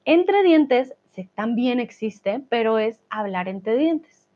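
A woman's voice: on the high side, expressive. A woman teaching a language lesson, explaining patiently, stretching out words and checking in with her students. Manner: patient explaining, drawn-out words, frequent "¿vale?" check-ins. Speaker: Spanish teacher. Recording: dull lo-fi recording.

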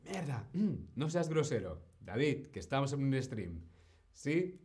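A man teaching Spanish on a live stream, speaking slowly and deliberately, repeating words and often checking in with the viewers. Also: mid-range voice, big pitch swings, darkish tone. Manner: answers viewer questions from chat. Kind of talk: live-streamed language lesson.

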